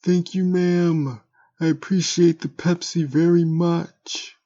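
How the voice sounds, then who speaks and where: A man's voice: fairly high pitch, level tone, slow pace, mellow, muffled recording. A man voicing a smug, sly troll creature in an audio drama, with a sardonic, wheedling manner. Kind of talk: audio drama character acting.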